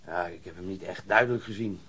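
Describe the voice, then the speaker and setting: A man playing a self-assured wounded policeman in a radio drama, matter-of-fact, pausing as he recalls. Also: low voice, pushed and bright, breathy edge, exaggerated voice. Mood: recalling, assured. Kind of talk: naturalistic radio drama acting.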